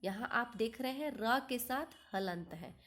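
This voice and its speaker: A woman teaching a kindergarten Hindi lesson, reading words slowly one by one and quizzing the class with repeated questions. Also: fairly high pitch, expressive, a bit bright.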